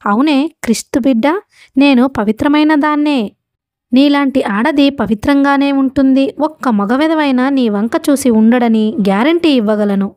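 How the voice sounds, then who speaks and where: A woman's voice: sits high, normal speed, a little mellow, no room sound, pitched above the performer's own voice, close to an everyday voice. A woman voicing a bold young dancer who teases in a brash, mocking way.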